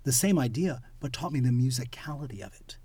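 A man co-hosting a podcast, explaining his craft in a reflective, casual way, his phrases often trailing off quietly. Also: medium pitch, expressive, brisk, breathy edge, no room sound. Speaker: podcast co-host and clown performer.

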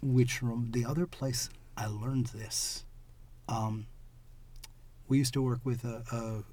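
A man co-hosting a podcast, explaining his craft in a reflective, casual way, his phrases often trailing off quietly. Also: mid-range voice, steady tone, takes it slowly. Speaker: podcast co-host and clown performer.

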